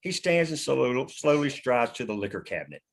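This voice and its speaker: A man's voice: mid-range voice, very animated, fairly quick, gravelly. A man reading scripted stage directions as the narrator of a screenplay table read.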